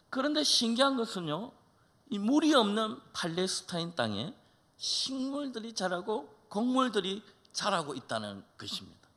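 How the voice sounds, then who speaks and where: The voice carries a Gyeongsang accent. The pace is fairly slow. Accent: Gyeongsang regional. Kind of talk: teaching, explanatory.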